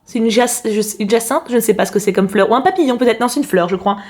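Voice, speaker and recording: A woman's voice: on the high side, fast, darkish tone. A woman talking casually as she unboxes a parcel on camera, chatty and exclamatory, thinking aloud as she goes. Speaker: YouTuber host.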